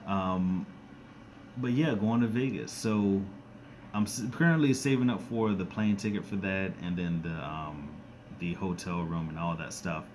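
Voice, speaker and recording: A man chatting casually on his live stream, his voice raspy and monotone from a scratchy throat, talking haltingly with many ums and restarts. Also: deep voice. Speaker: YouTuber doing a live stream. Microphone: close to the screen and device.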